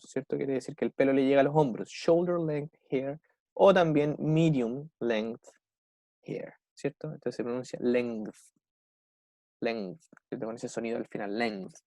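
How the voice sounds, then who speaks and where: A young man with a Chilean Spanish accent teaches English vocabulary over a video call. His voice sits a little high, and the sound is close and dry. He slows carefully on each English example. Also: warm tone, no room sound. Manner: keeps checking in with "¿cierto?" and "¿ya?"; slows right down to model English phrases. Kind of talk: online class explaining vocabulary.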